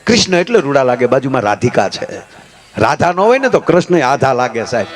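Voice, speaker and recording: A man performing folk comedy on stage. He tells stories in a lively way and slips into character voices and chants. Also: mid-range voice, brisk. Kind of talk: Gujarati folk comedy storytelling.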